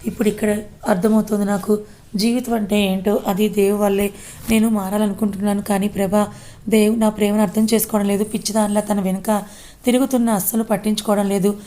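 A woman's voice: mid-range voice, little pitch movement, brisk, dark tone, natural voice. A woman reading the lines of a tearful, lovesick young woman in a story, with plain read-out dialogue. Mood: pleading.

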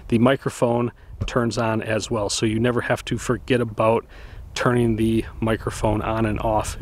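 Casual man in his thirties, mid-pitched, talks gear outdoors on a lake with faint outdoor noise behind. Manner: relaxed, rambling with fillers and restarts. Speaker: fishing channel host. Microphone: camera-mounted shotgun mic.

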